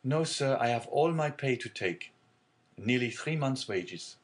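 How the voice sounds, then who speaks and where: A man reading aloud and voicing an earnest, respectful young sailor who speaks gravely and eagerly. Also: medium pitch, lively intonation, unhurried, lightly acted. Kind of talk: audiobook character reading.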